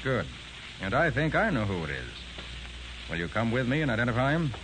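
An actor playing a confident, commanding male master detective in a brisk 1940s radio style. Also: medium pitch, big pitch swings, natural voice. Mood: pressing, confident. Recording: noisy, hissy 1940s radio recording.

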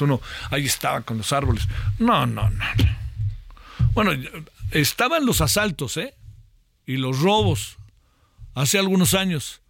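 A man's voice: a little high, gravelly, a bit bright, no echo. Chatty Mexico City man hosting news. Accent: Mexico City Spanish. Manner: folksy, rambling, asks listeners questions. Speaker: radio news host. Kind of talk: casual chatty aside to listeners.

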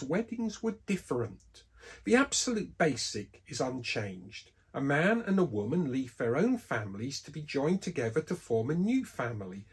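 Male preacher, husky, slightly high-pitched, talks through a scripted devotional with lively emphasis. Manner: storytelling, lively emphasis on key words. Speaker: preacher giving a Bible talk.

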